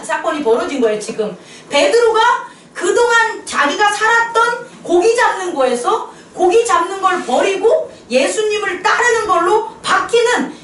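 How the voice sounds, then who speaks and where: A woman's voice: extremely high pitch, fairly bright tone, a little hiss or hum. A woman preaching a sermon in a small church, often asking questions of her listeners and mixing in English phrases. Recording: echoey room, voice a bit far from mic.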